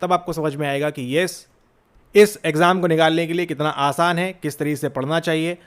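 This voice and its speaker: A man's voice: a little high, steady tone, moderate pace, clean tone. A man giving a motivational exam-prep lecture as a coaching teacher, urgent and exhorting, checking in again and again with his students. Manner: urgent, exhorting, repeats "theek hai?" often.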